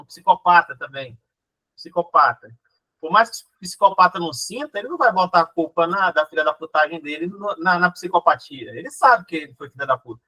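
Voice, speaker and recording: A man in casual conversation, talking in a quick, animated way and explaining his points with examples. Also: on the high side, low-quality recording.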